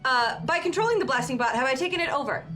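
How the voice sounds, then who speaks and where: High-voiced woman, formal tabletop player. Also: expressive, fast, music in the background. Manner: formal, polite phrasing. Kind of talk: playing a tabletop game.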